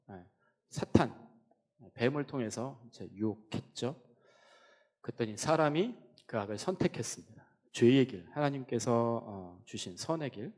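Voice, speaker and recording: A male pastor preaching a teaching sermon in church, posing questions to the congregation and answering them, at times rising to loud, high emphasis.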